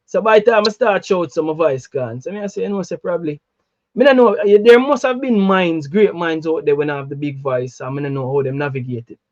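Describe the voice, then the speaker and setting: A Jamaican man chatting casually about football, animated, slipping into patois. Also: a little high, fairly quick, no echo, dull audio. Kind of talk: casual chat.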